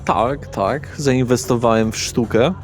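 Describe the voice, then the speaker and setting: A man's voice: mid-range voice, unhurried, faint music behind, close to an everyday voice. A man voicing a brash, self-important vampire lawyer in a tabletop role-play, effusive and colloquial. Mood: boastful.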